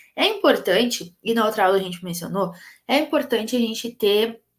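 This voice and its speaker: A woman talks at a fairly quick pace. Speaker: teacher. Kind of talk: online class lecture. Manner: animated.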